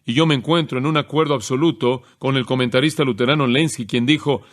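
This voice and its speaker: This is a man in a mid-range voice giving an expository sermon, working through a text in a calm, instructive way and slowing on the phrases that matter most.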